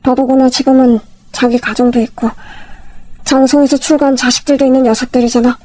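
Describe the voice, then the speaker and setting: Lady voicing a firm middle aged husband, calm lecturing, warm dark tone, dry sound. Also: sits high, brisk, no room sound, close to an everyday voice. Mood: firm resigned.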